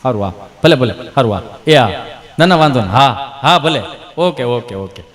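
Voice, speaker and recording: A man telling folk comedy stories on stage, acting out the dialogue with sudden jumps in voice. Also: normal speed. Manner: animated storyteller, acts out dialogue with sudden pitch jumps. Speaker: stand-up comedian. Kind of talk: Gujarati folk comedy storytelling. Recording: stage mic with long hall reverb.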